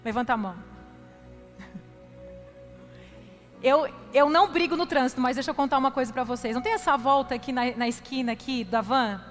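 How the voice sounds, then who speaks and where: A woman's voice: sits high, moderate pace, pauses often. A woman pastor, giving a sermon and telling a self-mocking personal story while addressing the congregation directly. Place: church hall, preaching from a stage. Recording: long hall reverb with faint music.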